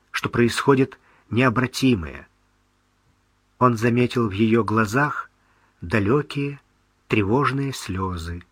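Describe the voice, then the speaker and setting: A man's voice: mid-range voice, husky, no room sound. A man reading a novel aloud as audiobook narrator, telling the story expressively. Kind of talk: scripted narration.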